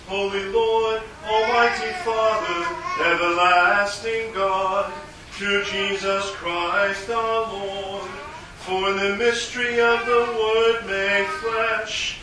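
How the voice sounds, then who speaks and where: A pastor leading solemn liturgical prayers and chanting the service in a large church, his voice ringing with a cathedral-like echo. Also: bright, forceful tone. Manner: solemn, measured prayer reading. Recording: booming church echo, distant mic, background noise.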